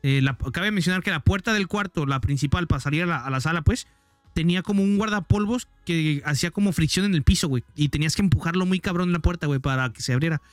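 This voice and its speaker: Man, podcast storyteller, fairly high voice, dry close sound, acts out noises. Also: fast talker, dry recording, faint music behind. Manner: animated, mimics sounds, says "güey" constantly. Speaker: podcast co-host. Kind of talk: casual storytelling.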